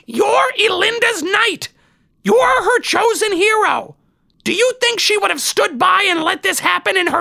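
A man voicing a fierce, urgent woman who scolds and demands, in a creaky, sharp voice in a fantasy audiobook. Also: very high-pitched, pitched above the performer's own voice, full character voice. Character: fierce, scolding woman urging on a reluctant knight.

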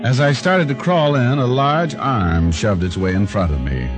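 An actor playing a wisecracking, hard-boiled private eye who also narrates, in a 1940s-style radio drama. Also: male voice, mid-range voice, moderate pace, natural voice. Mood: narrating. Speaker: private detective. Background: music score.

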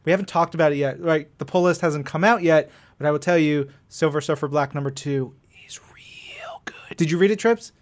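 A man's voice: a little high, fairly quick. A man co-hosting a podcast in a casual, chatty style, enthusiastic, informal and jokey. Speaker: podcast co-host. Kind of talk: casual chatty event preview.

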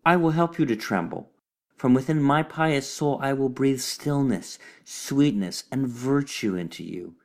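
A man's voice: medium pitch, animated, unhurried, voice pushed up. A man voicing a sanctimonious, hypocritical white female cat in a storybook reading, talking in a sweetly preachy, cooing way.

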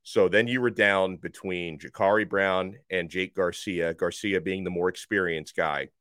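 A man hosting a college football podcast, slightly hoarse, talking with emphatic energy that rises toward near shouts. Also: low-pitched, fairly even intonation, unhurried, no echo, studio quality. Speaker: sports podcast host. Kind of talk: college football talk with ad read. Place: radio studio.

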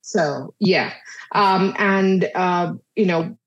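A woman's voice: lowish voice, extremely slow, highs cut off. A woman psychologist in her thirties from Dubai, chatting casually in an interview with lots of fillers and little acted-out exchanges. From Dubai, UAE. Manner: chatty, many fillers, acts out family dialogue. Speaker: psychologist guest.

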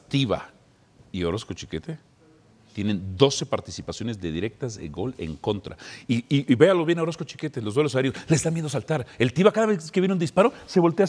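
Husky, lively male sports pundit. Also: medium pitch. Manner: combative, mocking. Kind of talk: sports talk panel debate.

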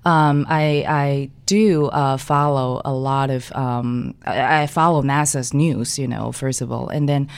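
Low-voiced woman from Taiwan. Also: fairly even intonation, clear, resonant tone. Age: young adult. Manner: halting, many fillers and restarts. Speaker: guest designer. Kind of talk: casual interview talk.

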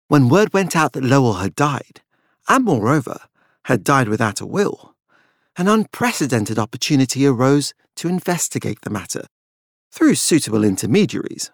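A man narrating literary fiction as an audiobook reader, in a measured, formal storytelling manner. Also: medium pitch, vocal fry, no room sound, clean studio sound.

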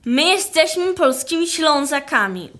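A young female performer playing a brash, sharp-tongued girl with a Silesian accent in a radio play. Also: high-pitched, very animated, measured pace, heavily acted. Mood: defiant. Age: child or teenager. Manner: feisty, blunt, scolding.

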